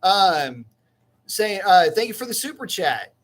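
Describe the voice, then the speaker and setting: A man's voice: high voice, sing-song, unhurried, a bit bright. Rambling, folksy live-stream host, a man. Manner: rambling, self-correcting, folksy. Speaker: livestream host. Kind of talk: casual live-stream chat.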